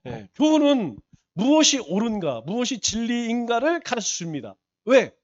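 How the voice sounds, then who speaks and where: A man's voice: very high voice, very animated, moderate pace, muffled recording. A male pastor teaching a Bible study, asking the congregation rhetorical questions and repeating points for emphasis.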